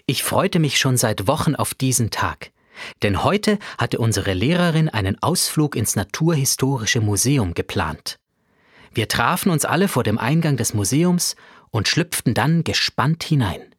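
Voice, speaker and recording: A man reading a children's story aloud in first person, with animated storytelling. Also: mid-range voice, husky, no echo, clean studio sound.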